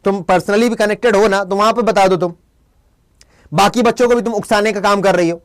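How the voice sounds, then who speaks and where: Running a live online English class with quiz questions, a young man with a Hindi accent teases and scolds the people in his chat. His voice is high and steady, and he speaks a little fast.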